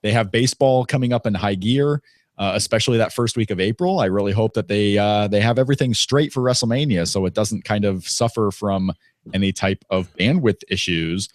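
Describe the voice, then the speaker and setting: A man's voice: fairly low pitch, fairly quick, no room sound, studio quality. A man from Indiana co-hosting a casual wrestling podcast, rambling with many fillers and restarts. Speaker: podcast co-host.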